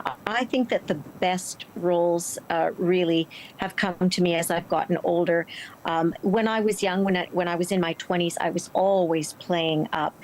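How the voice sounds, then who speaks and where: A middle-aged woman, an actor, answering interview questions in an expressive, emphatic conversational way. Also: fairly low pitch, a little hiss or hum, low-quality recording. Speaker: stage and film actor, interview guest.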